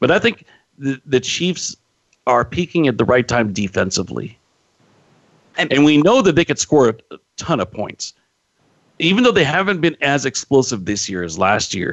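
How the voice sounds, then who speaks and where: Pitched fairly high, a man speaks at a moderate pace with very wide pitch swings, vocal fry, and long, frequent pauses. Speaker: radio host. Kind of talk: radio sports talk show.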